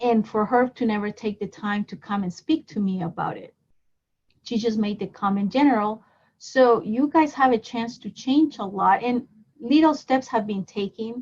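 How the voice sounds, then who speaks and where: A woman with a Spanish accent speaks at a moderate pace in a fairly high, somewhat breathy voice. Her pitch varies in an ordinary way, while her loudness swings widely. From Colombia. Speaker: university staff member. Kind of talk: panel discussion.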